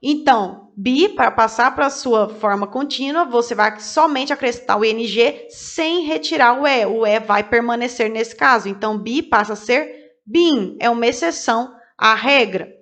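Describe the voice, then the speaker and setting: A woman's voice: on the high side, normal speed, a bit bright. A woman teaching a video lesson, explaining step by step, asking and answering her own questions and spelling out letters one by one. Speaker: English teacher.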